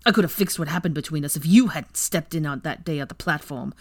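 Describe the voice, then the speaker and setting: An angry, vehement man spitting bitter accusations through clenched teeth, put on by a low-voiced woman narrator. He snarls with hatred and blame, louder than the narration. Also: quick pace.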